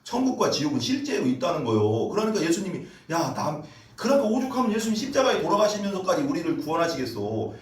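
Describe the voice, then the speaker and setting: A male pastor preaches with a lively, swinging delivery, firing rhetorical questions and sliding between formal and casual speech. His voice sits a little high for a man. It carries from some distance through an echoey church room. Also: fast. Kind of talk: sermon. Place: church sanctuary.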